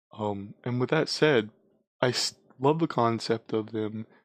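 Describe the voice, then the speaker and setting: An ordinary speaking voice with ordinary pitch variation against a quiet background. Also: man. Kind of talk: casual creepypasta review talk to camera.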